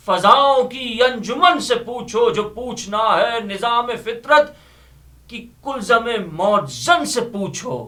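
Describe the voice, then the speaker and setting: A man's voice: sits high, sharp tone. A man giving a theatrical, impassioned and declamatory reading of poetry, repeating phrases with emphasis. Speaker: dramatic poetry reader. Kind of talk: theatrical dramatic recitation of Urdu poetry.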